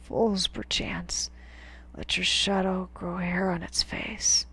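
A gruff, weary old weapons master at the end of his strength breathes out each word in a slow, husky whisper, as a woman reads him aloud. The voice crackles with fry and drags along, heavy with fatigue. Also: on the low side, level tone, fairly bright tone, full character voice.

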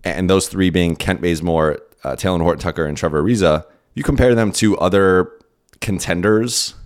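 A hoarse, worn-out man hosting a solo podcast, answering listener questions in a rambling, casual way with many restarts. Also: low-pitched, normal speed. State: hoarse, lost his voice and tired. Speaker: podcast host and basketball beat writer.

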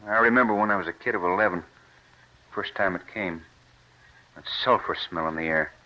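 A man's voice: low voice, fairly quick, bright, forceful tone. An actor playing an earnest, stubborn young man who gives up his university job to farm, in a 1940s radio play. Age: young adult. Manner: earnest and intense. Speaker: young scientist turned farmer. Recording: muffled old radio recording.

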